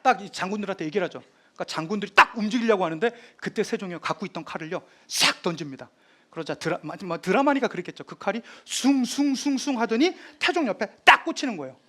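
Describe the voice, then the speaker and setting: A man lecturing on history, retelling drama scenes in a lively storytelling manner. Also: high voice.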